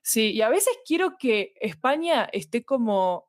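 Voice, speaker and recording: A woman's voice: on the high side, expressive, unhurried, dry recording, studio quality. Latin American woman in reflective conversation. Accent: Latin American Spanish. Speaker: interview guest, fiction podcaster. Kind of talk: conversational interview.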